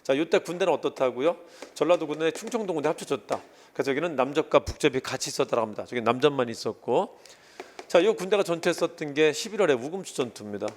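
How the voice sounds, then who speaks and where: A man giving an exam-prep history lecture in a casual, animated way, briefly acting out quoted lines as he goes. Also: on the high side, fast talker, slight background noise.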